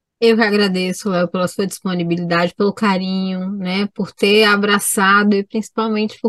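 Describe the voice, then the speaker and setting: A woman talks at a moderate pace in a monotone, flat intonation, recorded with a dry, close sound and no echo. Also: hardly any pauses. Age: 50s. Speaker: podcast host. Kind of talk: casual interview. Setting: studio.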